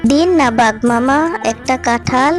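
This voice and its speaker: A worried mother fox, acted by a woman in a cartoon, poor and widowed. Her slightly high voice swings between scolding and pleading, with soft music underneath. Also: fairly even intonation, moderate pace, lightly acted. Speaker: narrator as well. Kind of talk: cartoon voice acting.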